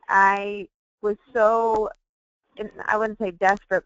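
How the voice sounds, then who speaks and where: Clear-voiced woman, candid, on lo-fi audio. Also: lowish voice, a bit bright, dry recording. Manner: candid, informal storytelling. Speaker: webinar guest, sales team member. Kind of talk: conversational personal testimonial. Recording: dull, lo-fi webinar audio.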